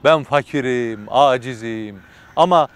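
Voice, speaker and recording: A man's voice: mid-range voice, unhurried, smooth, close to an everyday voice. A man voicing a poor, naive, pious weaver who speaks in a humble, pleading way. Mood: pleading prayer.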